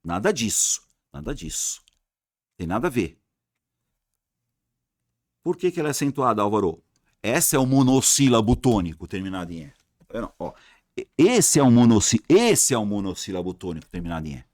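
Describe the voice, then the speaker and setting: A man's voice: on the low side, big pitch swings, normal speed, long pauses, darkish tone, no echo, studio quality. A Brazilian man teaching Portuguese grammar for exams in a casual, colloquial way. He repeats key words to drill them and asks his students questions, then answers them himself. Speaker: Portuguese teacher for exam prep. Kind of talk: online grammar lesson.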